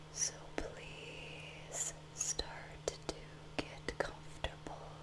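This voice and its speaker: A woman whispers in a calm tone at a very slow pace. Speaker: reiki practitioner. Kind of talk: ASMR reiki session. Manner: whispered; soft-spoken, calm. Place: home room. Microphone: studio mic.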